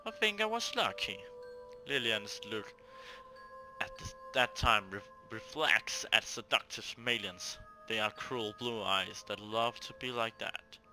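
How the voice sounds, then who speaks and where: A man with a fairly low voice narrates a visual novel as a let's play host. He mixes story reading with offhand casual remarks, and music plays clearly behind him. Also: steady tone, slow, bright, forceful tone, poor audio.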